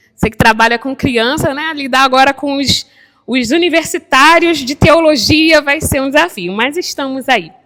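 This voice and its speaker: A woman speaks in a high pitch with a bright, sharp tone and ordinary pitch variation. Her delivery is animated and moderately paced. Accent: strong Carioca. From Rio de Janeiro, Brazil. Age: 40s. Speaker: lay preacher. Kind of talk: sermon.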